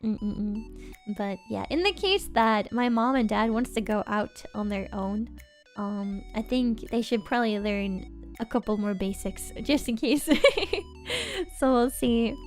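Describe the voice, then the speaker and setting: Young female streamer, high and bright voice, chatty and giggly, close-miked, faint music behind. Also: animated, slow. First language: Norwegian. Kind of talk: casual livestream chat.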